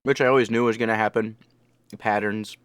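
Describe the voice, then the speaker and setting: A man's voice: lowish voice, steady tone, brisk, a bit bright, clear, resonant tone, dry recording, studio quality. A man giving casual, off-the-cuff reaction commentary, rambling and repeating words for emphasis. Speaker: anime reaction host and reviewer.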